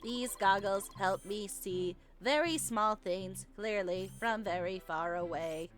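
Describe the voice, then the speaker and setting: A woman co-hosting a let's play, reading a game character's lines aloud in an animated way. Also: medium pitch, slow. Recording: game music behind. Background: video game music.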